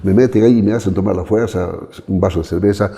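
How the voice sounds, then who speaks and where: A middle-aged Bolivian man, a guest in an interview, telling his life story in an animated way and acting out the people he quotes. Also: low-pitched, racing, gravelly. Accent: Bolivian Spanish. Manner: animated, acts out quoted voices. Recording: long reverb.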